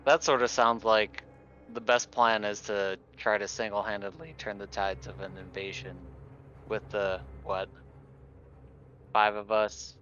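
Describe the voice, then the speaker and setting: A man chats wryly and playfully as a player in a tabletop game. His voice is lowish and slow, recorded a little dully with soft music underneath. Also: highs cut off, slight background noise. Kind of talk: casual game table chat.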